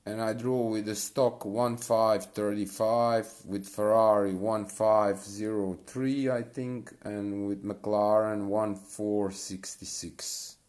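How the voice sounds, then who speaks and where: A man's voice: on the low side, steady tone, slow pace, hardly any pauses, darkish tone. A man giving casual, rambling commentary while playing a racing game, full of fillers and restarts. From Bosnia and Herzegovina. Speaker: mobile racing game streamer.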